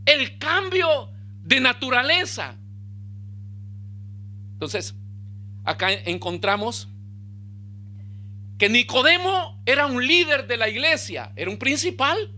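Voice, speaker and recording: Man preaching with big loud-soft swings. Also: sing-song, slow pace, long pauses. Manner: impassioned preaching, swings between loud emphasis and quiet low asides. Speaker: pastor. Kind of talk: sermon.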